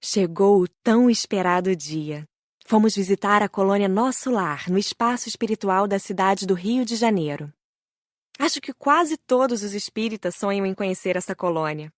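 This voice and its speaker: A woman with a Brazilian Portuguese accent reading a spiritual book aloud as a first-person narrator, gentle and admiring. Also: mid-range voice, moderate pace, no room sound, studio quality. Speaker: audiobook narrator.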